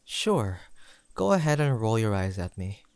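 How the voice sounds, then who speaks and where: A young man acting an affectionate, teasing best friend in an intimate audio roleplay, chatting in a gentle, playful and sincere way. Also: lowish voice, sing-song, measured pace, no room sound, studio quality. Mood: amused, chatty. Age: young adult.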